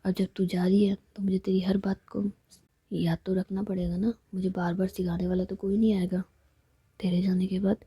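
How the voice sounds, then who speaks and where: A woman voicing a heartbroken young woman who pleads softly and sounds close to tears. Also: medium pitch, flat delivery, moderate pace, husky, dry recording. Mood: sad. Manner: pleading, tearful, soft. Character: young woman heartbroken over her lover.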